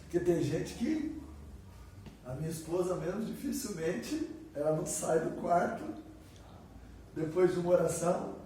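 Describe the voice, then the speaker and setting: Brazilian preacher in an echoey hall. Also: male voice, sits high, animated, moderate pace, long pauses, warm tone. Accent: Brazilian Portuguese. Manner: conversational, acts out prayers and asks the audience questions. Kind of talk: sermon. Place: church hall. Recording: echoey room from far off, faint noise.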